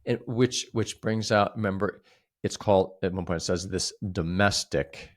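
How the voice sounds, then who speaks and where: A man co-hosting a literary discussion, speaking emphatically and haltingly, often repeating words as he reflects. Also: sits low. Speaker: co-host.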